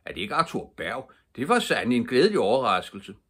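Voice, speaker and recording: An older man reading aloud, voicing a loud, jovial, portly police commissioner who shouts his orders heartily. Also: medium pitch, wildly swooping pitch, husky, voice pushed up, full character voice. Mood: hearty, commanding.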